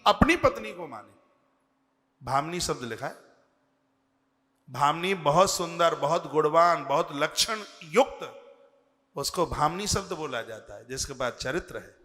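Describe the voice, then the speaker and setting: A man preaching a devotional sermon, speaking slowly and earnestly and chanting scripture verses. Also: high voice, pushed and bright, in a large hall. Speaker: religious preacher.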